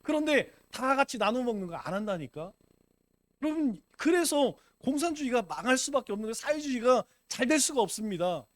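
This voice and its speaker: High-voiced Korean pastor preaching. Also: male voice, sing-song, fairly quick, dry recording. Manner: conversational preaching with rhetorical questions to the congregation. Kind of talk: sermon. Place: church.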